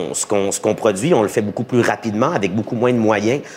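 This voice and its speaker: There is noticeable background noise as a man talks at a fairly low pitch. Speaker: film and TV director. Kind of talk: interview. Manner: halting.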